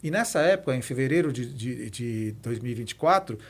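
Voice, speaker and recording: A man's voice: mid-range voice, animated, brisk. A Brazilian man in his fifties telling his own story as a podcast guest, in a reflective, explanatory way. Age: 50s. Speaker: podcast guest, president of a nonprofit institute. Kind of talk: conversational interview answers, personal storytelling.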